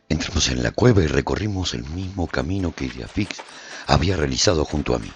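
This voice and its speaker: An actor playing a haunted warrior who narrates his post-apocalyptic story in a solemn, theatrical, intense way for a radio drama. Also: a bass voice. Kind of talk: dramatic first-person scripted narration.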